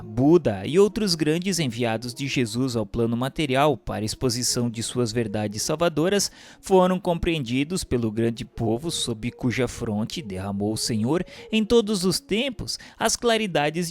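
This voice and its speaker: A man with a Brazilian accent giving a solemn, formal, declamatory scripted narration of a religious text. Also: mid-range voice. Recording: music bed under the voice.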